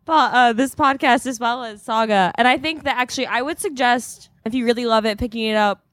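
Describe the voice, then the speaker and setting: A woman with a fairly high voice hosts a casual comics podcast. She talks loosely and laughs often, trading teasing banter with her co-hosts. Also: brisk, a bit bright, dry recording. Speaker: podcast host. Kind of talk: casual group chat.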